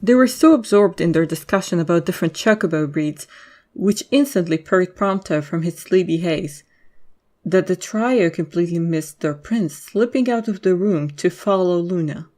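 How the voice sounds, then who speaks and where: A woman's voice: fairly low pitch, normal speed, darkish tone. A woman reading scripted story narration as the narrator of an audio drama.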